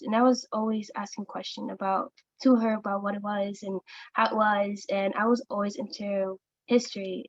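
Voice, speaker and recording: A teenage girl, a student on a panel, answering haltingly as she searches for her words. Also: mid-range voice, dry recording, dull audio. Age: teens.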